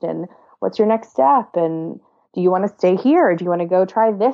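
A woman with a plain, everyday voice talks at medium pitch with ordinary pitch variation. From Pennsylvania, US Northeast. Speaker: sorority headquarters education director. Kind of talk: interview conversation.

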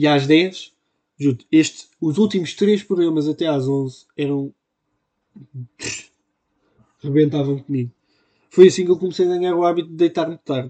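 In a Lisbon accent, a man speaks in a dark, mellow tone with ordinary pitch variation and long, frequent pauses, the sound dry and close with no echo. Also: fairly high pitch for a man, moderate pace. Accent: European Portuguese, Lisbon. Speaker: podcast host. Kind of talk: casual monologue. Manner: halting, many fillers.

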